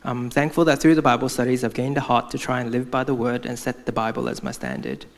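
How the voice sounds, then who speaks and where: Young man, creaky voice, church testimony. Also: mid-range voice, expressive, quick pace. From Hong Kong. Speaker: church member giving a testimony. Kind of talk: prepared church testimony speech.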